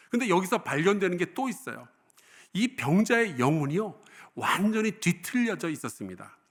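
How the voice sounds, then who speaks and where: A middle-aged male pastor preaching a Sunday sermon, his fairly high voice rising and falling in a very lively way. He tells the story and puts questions to the congregation, then drops to quiet, low lines.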